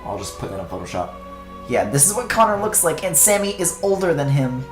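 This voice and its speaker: A man's voice: on the high side, sing-song, fairly quick, roomy sound, over music. A young man streaming himself drawing, chatting casually, swearing and trailing off mid-thought. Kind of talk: casual chat while drawing.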